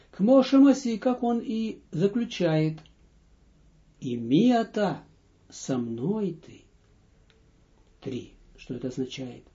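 A man teaching a text line by line, reading phrases aloud, translating and repeating them slowly for his students. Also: a little high, dark tone. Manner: slow, deliberate, dictating with pauses. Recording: dull lo-fi audio recording.

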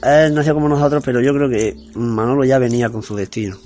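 A man's voice: medium pitch, fast talker, over music. A man, speaking as an interview guest in an earnest, plain-spoken, repetitive way. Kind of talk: earnest personal testimony.

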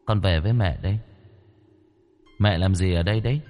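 A man voicing the ghost of a dead young son, speaking low, hushed and unsettling. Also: normal speed, big-room sound, soft background music, lightly acted. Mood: eerie, hushed.

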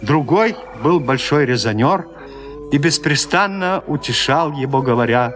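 A man narrating a classic story in a radio play, in an expressive, theatrical storytelling manner. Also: on the high side, unhurried.

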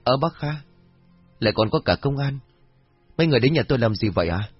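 A man's voice: mid-range voice, animated, quick pace, husky, no room sound, highs cut off, faint music behind, voice pushed up. A man voicing a hot-tempered middle-aged village father who curses and blusters, in a storybook reading. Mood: polite. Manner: angry, cursing, blustering.

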